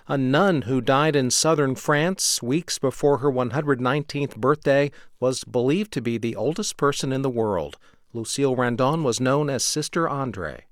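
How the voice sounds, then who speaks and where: A man's voice: mid-range voice, no echo, studio quality. A man working as a radio newscaster, reading scripted national and world news.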